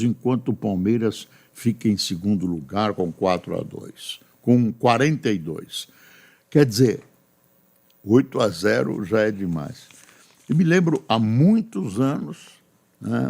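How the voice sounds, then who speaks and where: An older Brazilian man, a news anchor, reading newspaper stories aloud and adding chatty, unhurried remarks between them. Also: fairly low pitch, creaky, a little mellow.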